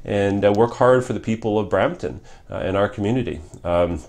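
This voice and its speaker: Man, middle-aged, Polish first language, lowish voice, earnest, repeats himself, restarts sentences. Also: fairly quick, a little mellow. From Canada. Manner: earnest, repetitive, many restarts and fillers. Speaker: political candidate, former member of Parliament. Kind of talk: interview answers.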